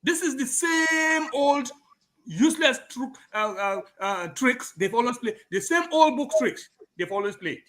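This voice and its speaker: At a measured pace, this man speaks in a very high, slightly bright voice full of animation. A Nigerian with a Yoruba accent, he is a political talk show guest who makes his case emphatically in both Yoruba and English.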